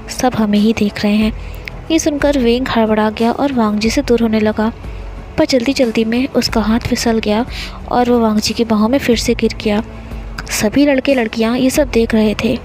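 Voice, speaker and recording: A woman's voice: a little high, a little mellow, a little hiss or hum, rough recording. A woman narrating a romance fanfiction, giving each character a slightly lifted voice for their lines. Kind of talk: storytelling narration.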